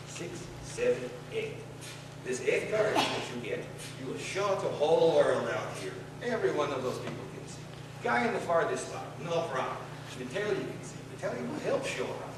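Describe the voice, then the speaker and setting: Echoey, high-pitched Russian gypsy magician played by a man. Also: normal speed. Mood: instructing, sly. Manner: deadpan, mock-formal broken English. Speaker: stage comedy magician and host. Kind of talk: vaudeville comedy stage patter. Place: large theater stage. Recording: echoey theater, distant mic, noisy.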